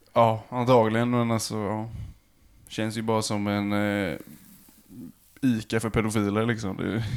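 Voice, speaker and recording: A man speaks with a fairly low pitch in a monotone, flat intonation. His pace is fairly slow, with long, frequent pauses. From Sweden, Malmö (Skåne). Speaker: podcast co-host. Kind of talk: casual chat.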